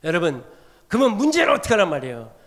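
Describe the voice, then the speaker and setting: A man preaching a revival sermon as a missionary, swinging from loud emphatic exclamations to hushed, tender near-whispers as he speaks in the second person. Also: high voice, wildly swooping pitch, rapid-fire. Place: church sanctuary. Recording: long church hall reverb.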